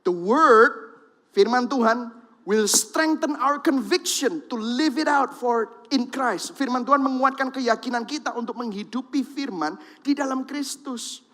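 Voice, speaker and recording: A pastor preaching with a Javanese-influenced accent, his voice high and bright for a man. He speaks straight to the congregation and slips into the voices of the people he describes. A long reverb from the big church hall trails each phrase. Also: unhurried. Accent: Javanese-influenced Indonesian. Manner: lively, talks to the congregation directly, acts out quoted voices. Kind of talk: sermon.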